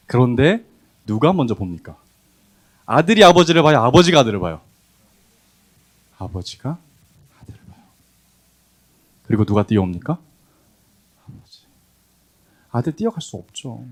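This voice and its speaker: A man preaching a sermon, acting out the quoted voices with animated emphasis. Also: medium pitch. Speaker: pastor.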